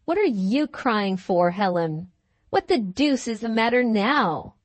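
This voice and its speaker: A woman's voice: medium pitch, lively intonation, takes it slowly, no echo. A woman voicing a peevish, self-pitying young husband who speaks in a sulky, sarcastic way in an audiobook. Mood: irritable.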